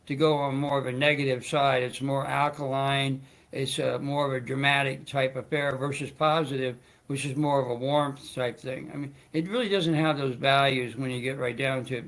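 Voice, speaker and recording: A man's voice: mid-range voice, gravelly, fairly bright tone. A man hosting his own talk show, speaking in a rambling, stammering way with frequent restarts and joking asides. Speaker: show host.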